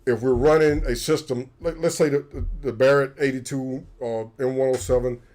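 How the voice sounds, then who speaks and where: A man's voice: medium pitch, fairly even intonation, moderate pace, darkish tone. A man co-hosting a livestream, explaining things in a matter-of-fact way with frequent restarts. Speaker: co-host, former sniper. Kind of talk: casual explanatory livestream talk.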